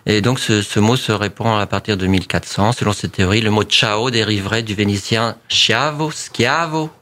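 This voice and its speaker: A man's voice: fairly low pitch, a little fast, pushed and bright. A man in casual conversation, explaining facts at length with small restarts. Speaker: association member sharing trivia. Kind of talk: casual chat.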